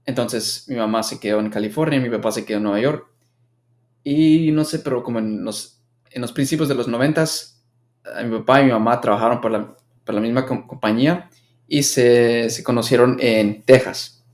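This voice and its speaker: A man's voice: medium pitch, a little mellow. Young man, chatty guest with restarts. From United States. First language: English. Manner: talks in quick bursts with many restarts. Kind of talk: casual conversational chat.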